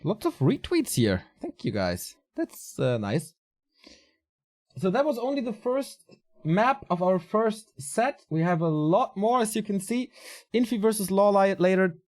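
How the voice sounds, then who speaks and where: Man, game commentator, slightly raspy, tired, casual, fairly high voice. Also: very animated, a little slow, a little mellow. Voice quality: casual, chatty delivery with fillers. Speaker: esports caster.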